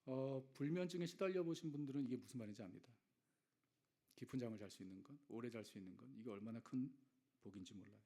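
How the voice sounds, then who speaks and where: A male pastor giving a Sunday sermon, swinging between loud exhortation and hushed, near-whispered lines, and acting out short quoted prayers. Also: medium pitch.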